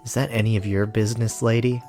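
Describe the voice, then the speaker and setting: A woman's voice: a bass voice, fairly even intonation, fast talker, warm tone, soft background music. A woman voicing a jaded, foul-mouthed village boy in a story game, blunt, curt and mocking. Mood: dismissive. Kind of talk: dramatic character voice reading of a story game.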